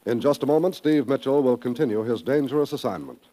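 A man's voice: medium pitch, quick pace, mellow, faint music behind. An American man working as a 1950s radio announcer, delivering announcements in a formal, emphatic, urgent manner.

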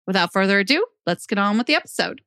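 A woman's voice: medium pitch, lively intonation, fast, pushed and bright, no echo. A young woman hosting a true crime podcast, reading scripted narration into a close microphone. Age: young adult. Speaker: podcast host.

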